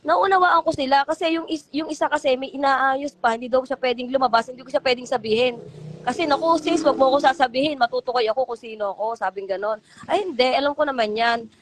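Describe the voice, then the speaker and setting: A middle-aged woman's voice sits high and moves fast, with a little hiss or hum in the audio. She's a guest and former church member on an emotional call-in interview, speaking in a heartfelt, rambling way and acting out what others told her in their voices.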